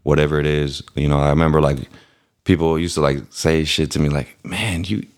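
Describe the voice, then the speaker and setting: A man's voice: extremely low pitch, steady tone, fairly quick. A man from Milwaukee, a musician, talking in a laid-back, slangy way in a casual interview. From Milwaukee, Wisconsin. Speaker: rapper and musician, guest.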